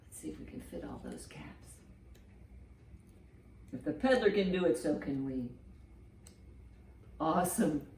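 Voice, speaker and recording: A woman's voice: low voice, huge pitch swings, measured pace, pauses often, a little mellow, slight background noise. A woman hosting a children's storytime, speaking expressively and putting simple questions to young listeners. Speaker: children's librarian and storytime host. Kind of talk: animated children's storytime read-aloud.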